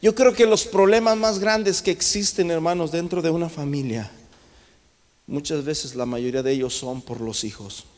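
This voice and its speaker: Man, pastor, fervent sermon, high voice, long church reverb. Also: moderate pace, a little mellow. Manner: fervent preaching, often addresses the congregation as brothers. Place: church sanctuary.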